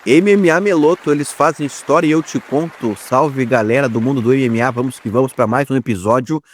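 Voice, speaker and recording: A man's voice: medium pitch, fairly quick, a little hiss or hum. A Brazilian man co-hosting a podcast, chatting and giving his opinions as a sports commentator.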